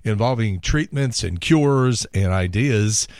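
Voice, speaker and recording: A middle-aged radio and podcast host who sounds hoarse, talking in a wry, sarcastic, rambling comic monologue. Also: male voice, lowish voice, lively intonation, slow pace, a little mellow, dry recording, studio quality. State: hoarse from laryngitis.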